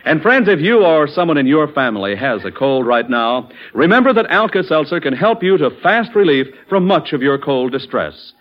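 A man's voice: a little high, very animated, moderate pace, few pauses. A man announcing a 1940s radio commercial with polished, emphatic salesmanship. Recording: muffled 1940s radio broadcast.

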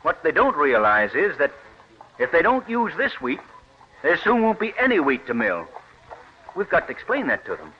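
A man's voice: a little high, huge pitch swings, moderate pace, slight background noise. An actor playing an earnest, persuasive wheat farmer pleading his case in an old radio drama. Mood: reassuring. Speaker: plant explorer pitching new wheat. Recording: dull lo-fi old radio recording.

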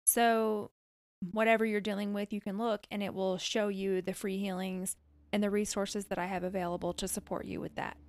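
A woman hosting a podcast on energy healing, speaking in a calm, soothing, reassuring manner. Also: medium pitch, normal speed, dry recording. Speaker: podcast host and energy healer. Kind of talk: podcast talk and guided healing.

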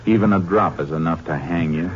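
An American actor playing a tough, terse Texas Ranger in a 1950s western radio drama. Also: male voice, sits low, fairly quick, lo-fi sound, close to an everyday voice. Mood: cool menace. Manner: terse, dry, commanding. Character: tough, cool Texas Ranger lawman hero. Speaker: lead actor and narrator. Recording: noisy, band-limited old radio recording.

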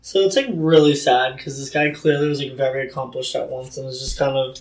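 A man's voice: medium pitch, level tone, fairly quick, echoey room, poor audio. A man co-hosting a casual book discussion, loose and enthusiastic, saying "like" often. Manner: loose, enthusiastic, heavy use of "like". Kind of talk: casual chat.

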